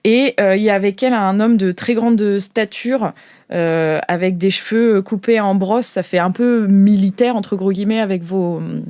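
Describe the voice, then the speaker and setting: A woman's voice: mid-range voice, normal speed, mellow, no echo. A woman improvising narration as a tabletop game master, feeling her way through descriptions. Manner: hesitant, improvising as she describes scenes.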